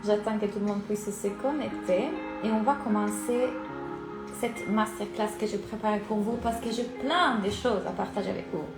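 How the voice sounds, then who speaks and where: Speaking at normal speed in a mid-range voice, a woman from Italy with an Italian accent leads a live-streamed masterclass as a life and business coach, addressing viewers directly and with energy. Music plays behind her, and the room is echoey with background noise.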